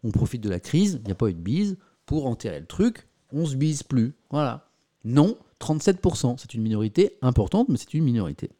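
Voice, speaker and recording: A man's voice: medium pitch, very animated, fairly quick, mellow. A man hosting a live-streamed press review, chatting casually with his viewers and mocking himself, with many fillers and restarts.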